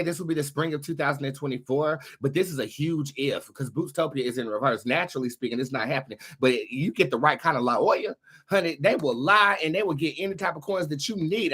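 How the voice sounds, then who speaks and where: An American man hosting a live tarot reading show, talking in sassy, expressive slang with plenty of swearing. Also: fairly high pitch, breathy edge. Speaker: tarot reader and show host.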